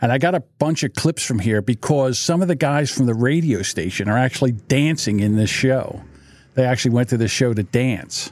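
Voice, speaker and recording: A man with a Philadelphia accent talks at a fairly quick pace and medium pitch, with ordinary pitch variation and very even loudness. The recording is very clean, the background silent. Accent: Delco (Philadelphia-area). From Delaware County, Pennsylvania. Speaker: podcast host. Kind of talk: casual chat. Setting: studio, live-streamed.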